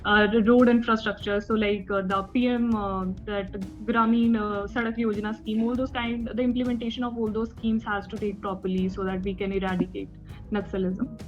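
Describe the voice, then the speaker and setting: A young woman with an Indian accent answers questions as a candidate in a formal interview, sounding nervous, hesitant and deferential. Her voice is medium in pitch and level in tone at a moderate pace, and the audio is dull and band-limited with music in the background.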